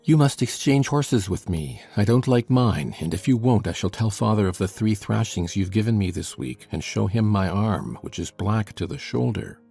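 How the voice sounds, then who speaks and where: A woman voicing a sullen, coldly defiant boy who makes blunt threats in a deep, changed voice. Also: expressive, normal speed, creaky, few pauses, mellow, slightly rough, faint music behind, full character voice. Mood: coldly threatening.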